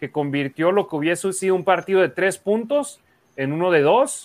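In a very clean recording with a silent background, a man with a high pitch speaks with lively intonation. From US, East Los Angeles. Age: 30s. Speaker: sports podcast host. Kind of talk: casual sports talk show.

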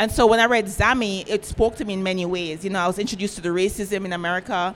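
A very fast woman's voice in a Jamaican accent, medium in pitch, with ordinary pitch variation. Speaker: novelist. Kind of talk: live panel interview. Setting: stage with audience.

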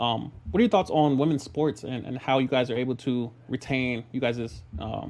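The voice carries vocal fry. Its pitch varies in an ordinary way. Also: man. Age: 20s. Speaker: podcast host. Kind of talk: interview. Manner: halting.

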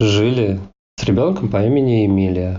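A man with an ordinary speaking voice talks fairly slowly at a fairly low pitch, with ordinary pitch variation. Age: 40s. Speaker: tattoo artist and father. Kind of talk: recorded personal testimony.

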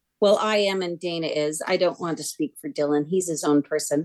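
In a Canadian accent, a woman speaks at a fairly quick pace with ordinary pitch variation. She has a plain, everyday voice, recorded dry and close with no echo. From Canada. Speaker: pilgrim. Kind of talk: casual interview. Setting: remote call.

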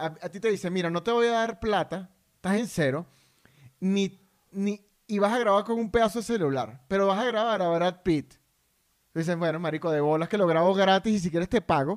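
Speaking at a moderate pace, a man has a high pitch with ordinary pitch variation. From Venezuela, Caracas. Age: 30s. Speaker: film director. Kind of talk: casual chat.

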